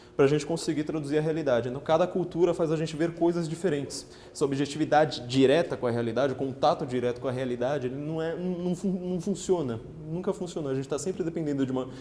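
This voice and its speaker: A man's fairly high voice at a very fast pace, with ordinary pitch variation and audible room echo. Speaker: political writer and lecturer. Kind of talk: lecture.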